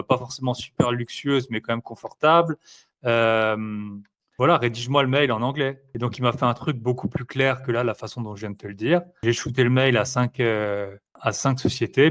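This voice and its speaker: A man speaks in an easygoing, conversational way, pausing often on fillers as he thinks out loud. His delivery is loose and unhurried, like talking with a friend. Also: medium pitch. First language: French. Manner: rambling, filler-heavy, relaxed. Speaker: interviewee, investor. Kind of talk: casual conversational chat.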